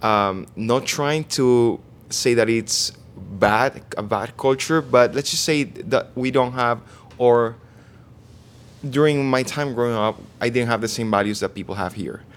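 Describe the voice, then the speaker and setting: A young man from Venezuela, a guest in a casual interview, who speaks haltingly, restarts often and searches for words. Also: medium pitch. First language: Spanish. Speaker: guest, online fitness coach.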